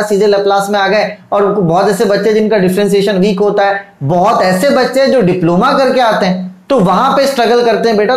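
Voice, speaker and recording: Reassuring male tutor in a roomy room. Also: high voice. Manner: reassuring, repeats points, calls students "beta". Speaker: online tutor. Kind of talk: casual course introduction. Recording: roomy echo.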